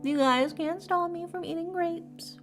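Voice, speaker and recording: A woman's voice: very high-pitched, unhurried, a bit bright. A young woman from Texas with a Texan accent, chatting casually and rambling with lots of fillers as a streamer. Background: lofi music.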